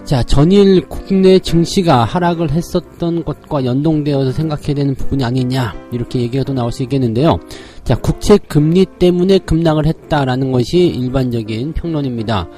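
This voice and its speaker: A man with a slightly hoarse voice giving a daily stock market briefing, explaining each point step by step. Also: mid-range voice, brisk, hardly any pauses, warm tone, soft background music. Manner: explanatory, frequent "자" openers.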